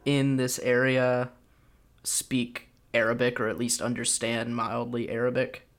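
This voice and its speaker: A man's voice: mid-range voice, level tone, a little slow, fairly bright tone. A man playing a tabletop game, talking tentatively with many fillers. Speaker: player. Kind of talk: casual tabletop play.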